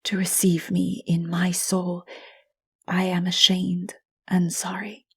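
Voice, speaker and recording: A woman voicing a humble, wondering male hero in a dark fantasy audiobook, earnest and subdued. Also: on the low side, completely flat delivery, takes it slowly, breathy edge, full character voice. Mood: humbly ashamed.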